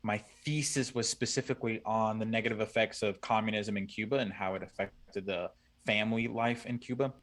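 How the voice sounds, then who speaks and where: A man's voice: lowish voice, fairly even intonation, fairly quick, fairly bright tone. A man in his thirties talking earnestly as a podcast guest, rambling with many restarts. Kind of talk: casual chat.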